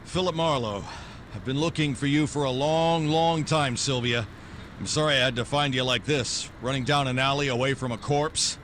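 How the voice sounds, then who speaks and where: An actor playing a tough, wisecracking private detective in a 1940s-style radio noir drama, with slangy, wry delivery. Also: male voice, mid-range voice, moderate pace, a bit bright, a little hiss or hum, lightly acted. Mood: tough, insistent. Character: hard-boiled, wisecracking male private detective narrating his case. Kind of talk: 1940s radio noir acting, first-person narration.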